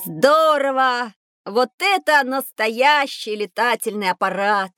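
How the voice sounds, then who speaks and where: An eager young boy who exclaims at every new discovery. His voice sits high, as a boy's would. He speaks in a scripted children's audio story. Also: clean tone, soft background music. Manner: excited, quick to exclaim. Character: eager schoolboy Petya, excitable. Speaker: child character in an audio encyclopedia.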